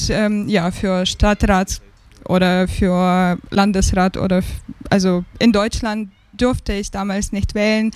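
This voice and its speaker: Woman from ukraine, thirties, slow hesitant speech, dry close sound. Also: medium pitch, darkish tone, no room sound. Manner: slow and hesitant, many fillers. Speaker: guest, migrant advisory council member. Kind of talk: radio interview.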